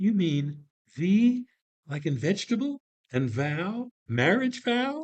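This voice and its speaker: In a put-on character voice, a soft-spoken man uses a high pitch with very wide pitch swings. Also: fairly slow pace. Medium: read story. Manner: soft, shy.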